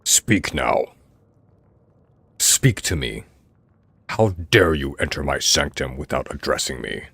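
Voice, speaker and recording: Gameplay aside: man doing a grand, menacing commander, very deep and booming. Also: very animated, takes it slowly, gravelly, fairly bright tone, husky, no echo, full character voice. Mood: commanding.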